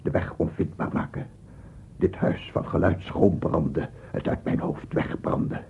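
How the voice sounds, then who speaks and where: A man's voice: deep voice, a little slow, creaky, slight background noise. An actor playing a tormented, obsessive madman in a theatrical Dutch radio play monologue, intense and swinging from whispers to cries. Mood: haunted, brooding. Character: tormented, obsessive madman addressing imagined gentlemen. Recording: tinny, band-limited old radio recording.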